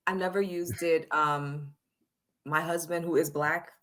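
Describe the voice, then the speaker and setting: Bright, frank woman guest. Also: deep voice, fairly even intonation, unhurried. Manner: frank and chatty, laughs easily. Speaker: podcast guest and content creator. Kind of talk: casual chat.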